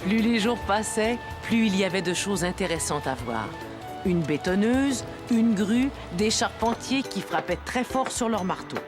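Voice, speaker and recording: A woman narrating a scripted children's story in a gentle, measured storytelling manner. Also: mid-range voice, expressive, music in the background.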